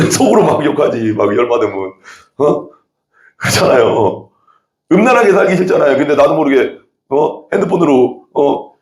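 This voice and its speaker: Male pastor, animated preacher, slightly high gravelly voice, echoey sanctuary. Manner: animated, acts out quoted prayers and voices. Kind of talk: sermon. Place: church sanctuary.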